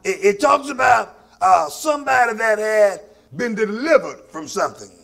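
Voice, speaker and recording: A man's voice: high-pitched, expressive, normal speed, creaky, a bit bright. A man from Mississippi with a Southern African American accent, preaching a sermon in a folksy, emphatic, repetitive way to his congregation. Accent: Southern African American English. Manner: folksy, emphatic, repeats phrases for effect. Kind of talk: sermon with call and response.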